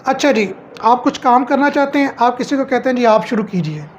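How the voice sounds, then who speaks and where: A woman's voice: fairly high pitch, fairly quick, highs cut off. A middle-aged woman at home teaching English phrases, asking each one back as a question and then answering it.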